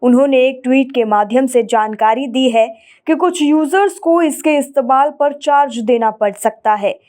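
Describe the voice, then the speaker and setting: Woman, high-pitched, news presenter, formal delivery, scripted narration, measured. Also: a little mellow.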